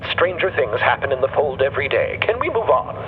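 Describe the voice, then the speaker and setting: A man's voice: medium pitch, sing-song, a little fast, long reverb tail, narrow, tinny audio, a little hiss or hum, natural voice. A man playing a curt, guarded professor explorer with formal, articulate diction in an audio drama. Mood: evasive, uneasy. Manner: formal, clipped, evasive. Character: male professor explorer with a mind in a machine body, guarded, curt. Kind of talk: audio fiction podcast acting.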